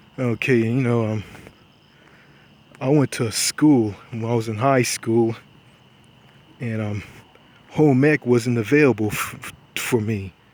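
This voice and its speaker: A man with an American accent speaks at a fairly slow pace, taking long, frequent pauses. His intonation is fairly even, with noticeable background noise. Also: medium pitch for a man. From United States. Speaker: vlogger. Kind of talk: casual monologue. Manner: halting, repeats words.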